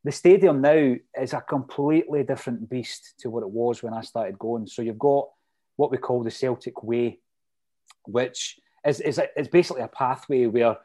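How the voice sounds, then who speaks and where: A middle-aged Scotsman speaks in a Fife accent with a mellow, softly rounded tone at an ordinary male pitch. He chats casually, telling his memories as detailed anecdotes. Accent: Fife Scottish. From Fife, Scotland. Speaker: interview guest, lifelong football supporter. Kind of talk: casual reminiscing chat.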